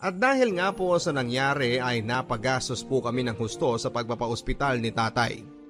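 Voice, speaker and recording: A Filipino man narrates a personal story for a radio programme in an earnest manner. His voice is mid-pitched, with clearly audible music running beneath it. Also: moderate pace, a bit bright. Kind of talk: first-person dramatised letter narration.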